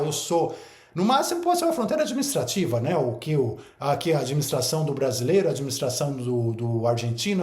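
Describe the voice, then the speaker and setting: A man's voice: on the high side, roomy sound. A man giving a spiritual talk to an online audience, emphatic and full of rhetorical questions and repeated phrases. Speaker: spiritual teacher.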